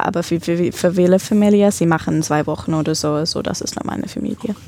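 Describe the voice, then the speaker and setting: A woman's dark, mellow tone with lively intonation at a moderate pace. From US, Pennsylvania. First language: English (speaking German). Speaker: podcast co-host. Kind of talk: casual chat. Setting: on a campsite. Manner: halting.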